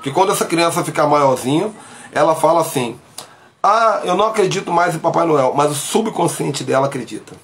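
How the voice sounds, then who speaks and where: Casting: male preacher, fairly high voice, emphatic, bedroom phone stream. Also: lively intonation, a little fast. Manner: emphatic, gestures broadly, speaks to viewers directly. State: sick with covid, isolating. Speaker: pastor. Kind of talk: livestream preaching. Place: small bedroom at home. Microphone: phone camera at arm's length.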